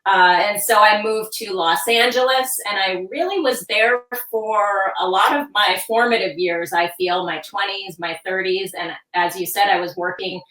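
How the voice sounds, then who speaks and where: A woman in her forties, a guest on a radio interview, with a bright, forceful voice gone hoarse and groggy. She tells her story in an upbeat, chatty way. She sits back from the mic in an echoey room. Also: medium pitch, moderate pace, few pauses, recorded from a distance. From Hudson Valley, New York. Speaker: children's book author, guest.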